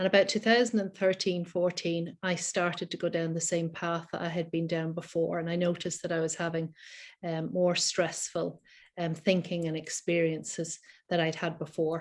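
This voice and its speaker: With an Irish accent, a woman speaks at a moderate pace in a fairly low pitch and a monotone, flat intonation. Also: quiet background. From Ireland. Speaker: healthcare worker and coach. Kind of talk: personal testimony. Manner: hesitant, many fillers.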